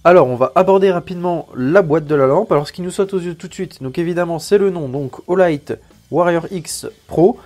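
A man's voice: on the high side, brisk, darkish tone. A man hosting a sponsored unboxing video, talking in a chatty, joking way and explaining each step, with frequent fillers. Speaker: channel host reviewing gear. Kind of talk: sponsored product unboxing vlog.

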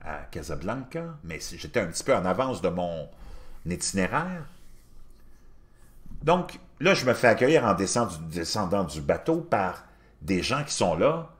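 A man in his fifties with a Québécois accent, telling a personal story in a casual, animated way and talking straight to the listener. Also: low-pitched, unhurried. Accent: Québécois French. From Quebec. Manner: animated, addresses the listener directly.

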